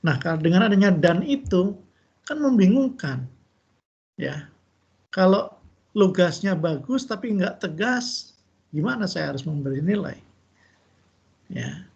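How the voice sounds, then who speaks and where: A man lecturing over a video call in a gravelly, somewhat husky voice that sits a bit high for a man. He gives relaxed, chatty feedback to his students, full of fillers and tag questions. The sound is dull and lo-fi. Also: a little slow, long pauses. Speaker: university lecturer. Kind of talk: giving feedback in an online class.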